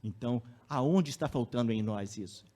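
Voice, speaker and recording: A man's voice: mid-range voice, moderate pace, mellow. A man giving a public lecture at a spiritist center, chatty, often tagging sentences with a question and acting out anecdotes. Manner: conversational, tag questions, acts out anecdotes.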